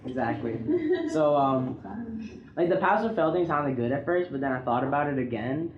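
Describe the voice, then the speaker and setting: A teenage male student talking casually and haltingly in a class discussion, often repeating words. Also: mid-range voice, crowd noise. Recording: echoey, dull muffled sound.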